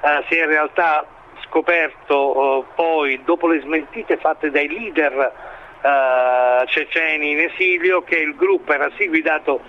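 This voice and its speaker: A man giving expert current-affairs analysis in an interview, speaking in a halting, hesitant way as he builds his points. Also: on the high side, steady tone, muffled recording, slight background noise. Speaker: expert commentator being interviewed.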